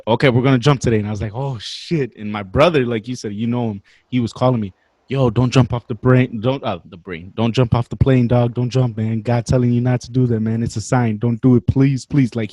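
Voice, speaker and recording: A man in his twenties casually telling a story on a podcast, animated and slangy, swearing freely. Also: mid-range voice, no echo. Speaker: podcast guest.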